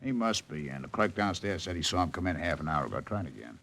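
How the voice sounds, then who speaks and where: Brief: a slangy private eye, laconic, lively delivery, hissy old broadcast. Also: male voice, low-pitched, quick pace. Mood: wisecracking. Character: streetwise slangy male private detective. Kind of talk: 1940s radio acting. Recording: noisy old radio transcription.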